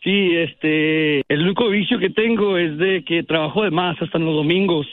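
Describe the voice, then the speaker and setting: Joven de veintitantos al teléfono, voz algo aguda, educado y titubeante, línea apagada. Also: male voice, on the high side, normal speed, no room sound. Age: 20s. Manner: polite, hesitant, many fillers. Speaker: radio caller. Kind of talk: answering questions on a call-in show. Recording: dull phone line.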